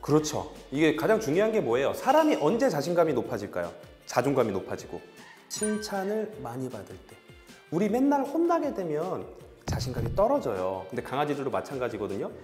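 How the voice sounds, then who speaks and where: A male dog behavior veterinarian and trainer giving an upbeat training demonstration, bursting into cheerful praise and quick commands. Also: a little high, wildly swooping pitch, a little mellow. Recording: echoey hall with faint music.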